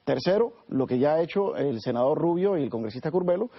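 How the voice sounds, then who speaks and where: A man's voice: fairly high pitch, lively intonation, fast talker, muffled recording. A middle-aged man from Cuba, speaking earnestly as a lawyer guest on a TV interview. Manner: earnest, with frequent "eh" fillers and restarts. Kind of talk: TV studio interview.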